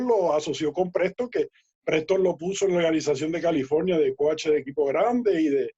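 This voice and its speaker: A man, a guest telling lively baseball anecdotes in a casual interview, laughing and acting out quoted dialogue. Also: a little high, breathy edge. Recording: dull lo-fi audio.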